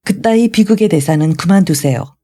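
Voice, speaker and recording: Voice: mid-range voice, lively intonation, normal speed, mellow, natural voice. A reader voicing a bitter young son. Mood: exasperated. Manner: bitter, raised voice.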